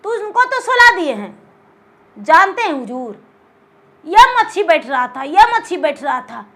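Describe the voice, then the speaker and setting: Naive male farmhand, voiced by a woman, Magahi accent, very high and bright, proud chatter. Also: sing-song, unhurried, heavily acted. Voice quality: eager, chattering, proud of his foolish deeds. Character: simple-minded male farmhand, cheerful and naive.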